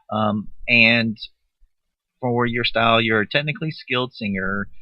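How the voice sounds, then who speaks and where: With an American accent, a man speaks in a medium pitch. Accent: Southern drawl, sometimes. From US South. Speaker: talk show host. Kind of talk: interview.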